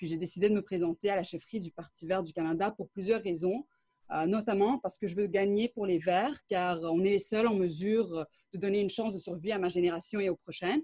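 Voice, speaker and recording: A woman's medium-pitched voice, dark and mellow in tone, with ordinary pitch variation, a moderate pace and a dry, close sound with no echo. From Quebec, Montreal. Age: 30s. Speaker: politician. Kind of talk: political debate speech.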